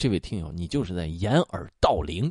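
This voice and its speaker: In a dry, close sound with no echo and a quiet background, a man speaks at a fairly quick pace with lively intonation and a dark, mellow tone. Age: 40s. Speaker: audiobook narrator and literary commentator. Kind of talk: casual late-night commentary monologue. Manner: conversational, addresses listeners directly.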